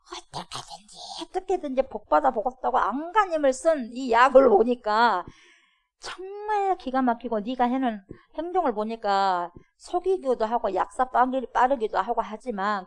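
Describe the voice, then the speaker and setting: Middle-aged woman pastor, higher voice, animated sermon with questions to the congregation. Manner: animated preaching, asks the congregation questions, swings from loud to hushed. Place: church sanctuary.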